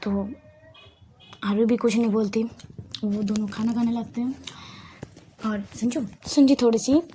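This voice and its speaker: A woman's voice: fairly high pitch, fairly even intonation, a little slow, mellow, a little hiss or hum. A woman casually telling a love story aloud, rambling and often correcting herself.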